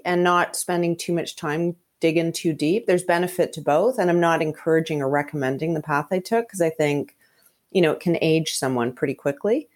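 Candid low-voiced woman in her fifties. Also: darkish tone. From Canada. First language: Hungarian. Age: 50s. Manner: frank, chatty, storytelling with asides. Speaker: guest. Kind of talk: candid conversational interview.

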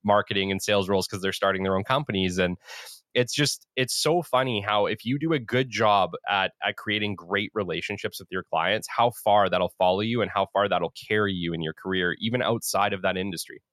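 A male podcast host with a fairly low voice, chatting in a relaxed, encouraging way. His speech sounds dry and close to the mic, with no room around it. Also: brisk, no echo. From Western Canada. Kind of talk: casual interview chat.

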